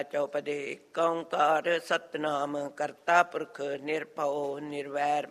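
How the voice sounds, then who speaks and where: A man recites sacred verse at an unhurried pace, his fairly high voice held in a narrow, even line. Each phrase rings out into a long reverberant hall. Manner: measured, flat chanting cadence. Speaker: scripture reciter.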